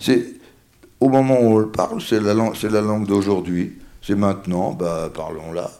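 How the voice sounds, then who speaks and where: Fairly low, dark and mellow male voice, fairly slow in pace, with ordinary pitch variation. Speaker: poet and author. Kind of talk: literary conversation. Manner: halting, many repetitions.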